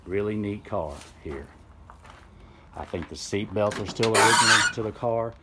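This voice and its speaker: A man's voice: fairly low pitch, normal speed, very noisy. A man, the channel's host, walks around a car in an old barn, explaining its details plainly and methodically while filming on a phone. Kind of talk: walkaround narration while filming. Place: old open barn, indoors and out. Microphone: handheld phone camera.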